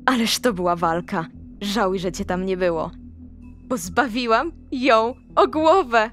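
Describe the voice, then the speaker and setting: A young woman recapping her tabletop character's story in character. She talks straight to the listener in a gossipy, confiding way, and her pitch leaps up when she gets excited. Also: measured pace, soft background music.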